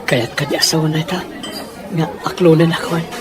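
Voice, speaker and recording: A man's voice: on the high side, steady tone, fairly quick, music in the background, natural voice. A man with a Filipino accent playing a devoted, reassuring young boyfriend in a radio drama. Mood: earnest, reassuring. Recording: noisy ambience with clinking. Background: crowd-like noise, clinks.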